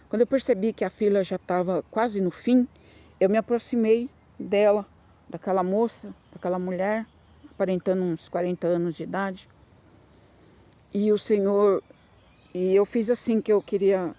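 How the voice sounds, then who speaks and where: A woman with a medium-pitched, dark voice and a Brazilian Portuguese accent gives a Christian testimony. She tells her story emotionally and repetitively, building into fervent bursts.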